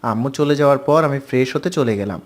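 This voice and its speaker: A man's voice: medium pitch, fast talker. A man narrating a playful romantic story aloud.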